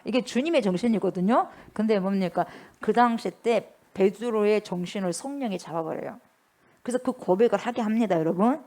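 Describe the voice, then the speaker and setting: Middle-aged woman pastor preaching, animated storyteller who voices the quoted lines. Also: mid-range voice, brisk. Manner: often addresses the congregation directly. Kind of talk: sermon.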